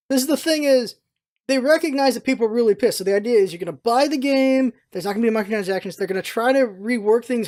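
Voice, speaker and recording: A man's voice: high-pitched, a little mellow. A man hosting a vlog with casual, opinionated commentary, rambling and repeating himself for emphasis. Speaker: vlog host, gaming content creator.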